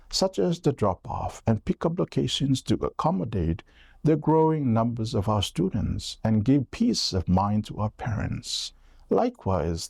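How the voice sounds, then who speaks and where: A man in his forties from Tonga, giving a measured, earnest prepared campaign statement as a political candidate. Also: fairly low pitch, creaky, warm tone, breathy edge, dry recording, studio quality.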